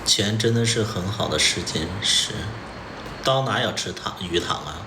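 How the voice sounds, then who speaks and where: A man's voice: fairly low pitch, lively intonation, normal speed. A man co-hosting a livestream with casual, teasing, needling banter. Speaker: livestream co-host. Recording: noisy, echoey livestream room.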